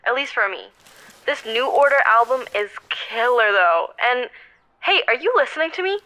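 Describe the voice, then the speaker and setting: An actress playing a chatty young best friend, casual, slangy and teasing, in audio drama dialogue. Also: female voice, fairly high pitch, lively intonation, normal speed, sharp tone, low-quality recording. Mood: chatty, wistful.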